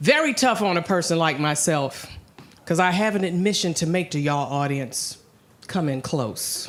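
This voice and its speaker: Lively intonation comes through over audible room echo. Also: woman. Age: 60s. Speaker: comedian. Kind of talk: stand-up. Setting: stage with audience.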